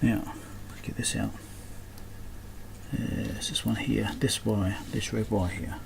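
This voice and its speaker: A man's voice: on the low side, fairly even intonation, takes it slowly. A man giving casual hands-on commentary, muttering to himself as he works at a bench indoors. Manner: muttering to himself while working. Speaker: electronics repair video host. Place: indoor electronics workbench. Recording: clearly noisy workbench recording.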